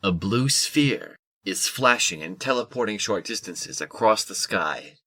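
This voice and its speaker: A man narrating a scripted audio drama in a measured, descriptive storytelling manner. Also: on the low side, expressive, sharp tone, no echo.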